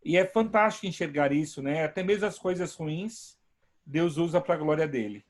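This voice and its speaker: Pastor guy talking from home, kinda high voice, really emphatic. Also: moderate pace. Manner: emphatic, repeats phrases, praises God. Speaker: pastor hosting an online service. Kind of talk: warm preaching talk.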